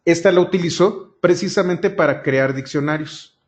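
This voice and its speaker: A man's voice: fairly high pitch, normal speed. A male programming instructor, explaining a coding lesson step by step and speaking directly to his students. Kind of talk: screen-recorded coding lesson. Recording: dull lo-fi sound.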